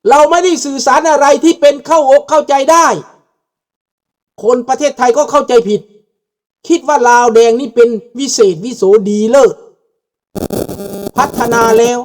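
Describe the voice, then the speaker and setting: A man's voice: very high-pitched, moderate pace, long pauses. An older man giving a fiery political talk, mixing Thai and Lao and often asking the audience questions. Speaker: political commentator. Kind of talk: impassioned political monologue. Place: abroad, outside Laos.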